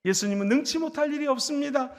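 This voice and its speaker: A man's voice: very high voice, quick pace. A man preaching a sermon as pastor, with impassioned delivery that rises into calls of blessing. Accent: Korean. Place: church sanctuary. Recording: echoey church hall.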